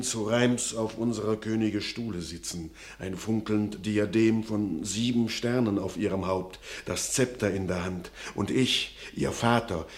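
A man's voice: on the low side, lightly acted. An actor playing an anxious, pious old peasant father in a classical radio play, solemn and declamatory. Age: older.

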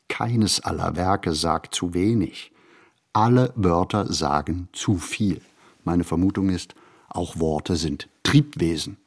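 An actor playing a reflective writer in a literary radio play, speaking his monologue in measured, deliberate phrases. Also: low voice, a little mellow, husky, full character voice. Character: reflective male writer musing on writing and society. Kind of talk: literary radio play monologue, scripted first-person narration.

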